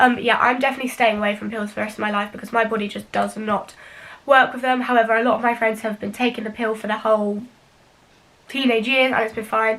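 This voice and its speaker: Very fast speech in an English accent, with fairly even intonation. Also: woman. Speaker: YouTuber. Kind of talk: casual chat.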